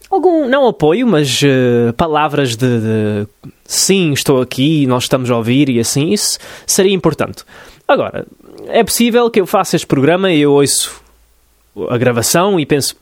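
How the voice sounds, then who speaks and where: A man from New Jersey, talking in Portuguese as a podcast host, reflective and full of pauses and restarts. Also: mid-range voice, no room sound, studio quality. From United States (New Jersey). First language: English. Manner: hesitant, many fillers and restarts, reflective. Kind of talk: casual solo podcast monologue.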